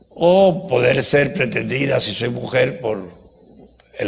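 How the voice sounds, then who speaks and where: Against noticeable background noise and audible room echo, a man talks at a very slow pace with lively intonation. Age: 80s+. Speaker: university lecturer. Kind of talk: lecture. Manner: animated.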